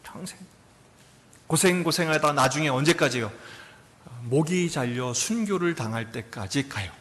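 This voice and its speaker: Man preaching, kinda high bright voice, big reverby church hall. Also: lively intonation, moderate pace. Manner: emphatic preaching with rhetorical questions, rising to loud peaks. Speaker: pastor. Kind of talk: sermon. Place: large church sanctuary. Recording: long hall reverb, faint noise.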